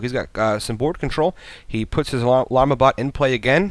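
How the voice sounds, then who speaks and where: A man is speaking. His tone is enthusiastic. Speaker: game commentator. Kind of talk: game shoutcast commentary, play-by-play. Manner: casual, enthusiastic.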